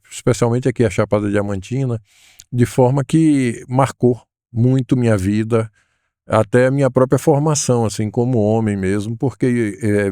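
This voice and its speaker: A man, a guest recalling his life in a thoughtful, hesitant way with many pauses and fillers. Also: mid-range voice, dark tone, no room sound, studio quality. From Salvador, Bahia, Brazil. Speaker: guest, educator. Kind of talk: relaxed interview conversation.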